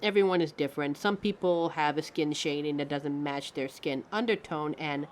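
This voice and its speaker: A woman's voice: sits low, moderate pace, close to an everyday voice. Haughty living mannequin played by a woman, noisy recording. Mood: patient, instructive. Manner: pompous, affected, instructive, calls listener darling. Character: haughty, theatrical female living mannequin, a fussy fashion expert. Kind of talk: scripted roleplay audio addressed to the listener.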